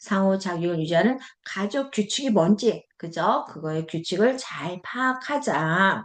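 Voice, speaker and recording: Speaking at a fairly slow pace, a woman uses a medium pitch with lively intonation. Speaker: professor. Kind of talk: lecture. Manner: clipped, sharp delivery.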